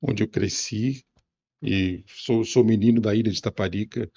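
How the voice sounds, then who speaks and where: A man in his seventies from Bahia, Brazil, with a Bahian accent, answering interview questions in a musing, unhurried way with restarts. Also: fairly low pitch, dark tone, husky, dull audio. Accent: Bahian Brazilian Portuguese. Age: 70s. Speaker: interview guest.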